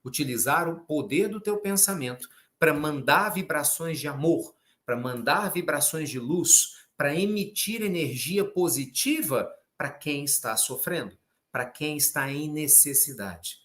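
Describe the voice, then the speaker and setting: A man's voice: fairly high pitch, a little slow. A Brazilian man giving an emphatic, conversational spiritist talk on charity, often checking in with his listeners. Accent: Brazilian Portuguese. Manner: lively, emphatic, conversational preaching with frequent "né?". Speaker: spiritual speaker. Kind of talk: spiritist reflection on a reading.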